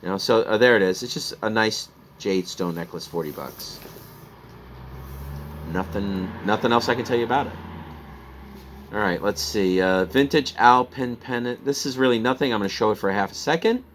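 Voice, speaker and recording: A man's voice: on the low side, normal speed, a bit bright, slight background noise. Rambling chatty Midwestern man. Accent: Midwestern American. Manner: rambling, chatty, laughs at himself. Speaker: online reseller. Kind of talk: casual sales recap chat.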